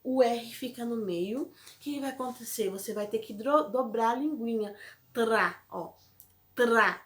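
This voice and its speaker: A woman's voice: fairly high pitch, normal speed. A Brazilian woman teaching a primary school lesson, speaking patiently and checking in with the children often. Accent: Brazilian Portuguese. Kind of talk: recorded classroom lesson. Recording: echoey room.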